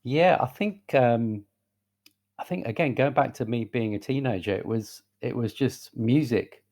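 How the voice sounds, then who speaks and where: A man in his forties with a softened northern English accent, a guest talking casually in a podcast interview, relaxed and hesitant, with many fillers and restarts. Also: medium pitch, unhurried. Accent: Northern English, softened by southern England. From northern England. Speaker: guest, creative director.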